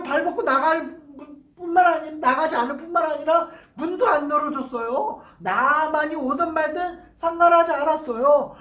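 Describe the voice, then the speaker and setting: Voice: sits high, a bit bright. A preacher telling a Bible story to young children in church, exclaiming and asking the kids questions along the way. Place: church worship room. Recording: roomy hall, voice from a distance.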